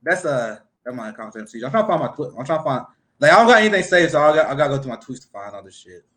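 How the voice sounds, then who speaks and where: A man with a Midwestern accent hosting a casual livestream, talking fast and getting excited. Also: mid-range voice. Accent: Midwestern American. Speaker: livestream host.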